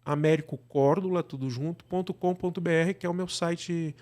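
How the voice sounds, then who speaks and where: A middle-aged Brazilian man speaking casually as an interview guest, illustrating his points with imagined remarks in an animated conversational way. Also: fairly high pitch, normal speed. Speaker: guest, director and cultural producer.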